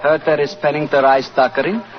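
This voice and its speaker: A man's voice: a little high, fairly quick, music in the background, natural voice. An actor playing a guarded gypsy man in an old radio drama, speaking in terse, stilted, formal phrases. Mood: guarded, informative. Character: guarded, foreign-sounding gypsy man at a fair. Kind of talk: 1940s radio drama acting. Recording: muffled old radio recording.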